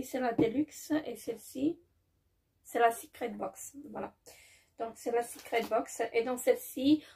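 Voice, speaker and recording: A woman with a fairly high voice and a gravelly, fry-laced edge, talking casually through a beauty unboxing. She hesitates a lot, fills pauses and restarts sentences, and gushes about what she likes. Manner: warmly enthusiastic about products. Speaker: beauty vlogger. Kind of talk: casual product unboxing chat.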